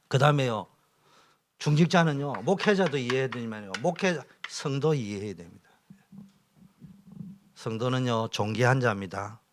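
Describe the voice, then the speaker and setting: A middle-aged male pastor, preaching a training lecture, swinging from loud exhortation to whispers. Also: mid-range voice. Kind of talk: sermon-style training lecture.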